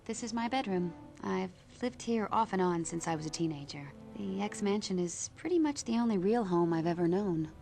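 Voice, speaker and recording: An actress voicing a calm adult heroine who leads a newcomer on a tour of her team's home in a video game. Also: medium pitch, moderate pace, vocal fry, hardly any pauses, faint music behind. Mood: welcoming. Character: calm adult woman mutant team guide. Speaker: game character giving a house tour.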